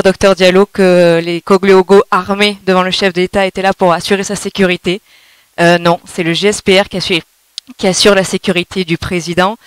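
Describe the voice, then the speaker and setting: A woman's voice: mid-range voice, clear, resonant tone, dry recording, low-quality recording. A woman speaking from the audience, making an impassioned public remark and putting questions to a panel.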